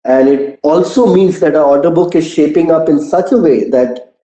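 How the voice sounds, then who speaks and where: A man with an Indian accent giving a prepared earnings call presentation as a company executive, measured and articulate, with deliberate emphasis. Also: a little high, warm tone. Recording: muffled, echoey conference call audio.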